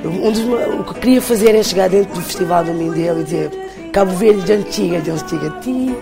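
A woman from Portugal with a European Portuguese accent and a deep, thick voice, telling her story casually as an interviewed singer. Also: a little fast, creaky. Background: music.

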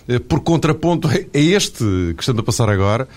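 A man's voice: mid-range voice, expressive, a little fast, a little mellow. A man on a football panel, raising doubts with frequent tag questions and restarts. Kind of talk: studio panel discussion.

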